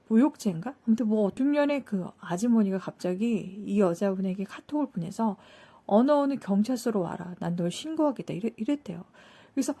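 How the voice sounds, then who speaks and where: A woman with a husky, mellow voice retells a story in a loose, chatty way. She fills her talk with small fillers and slips into the quoted lines as she goes. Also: mid-range voice. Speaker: channel host. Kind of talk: casual retelling of a TV case.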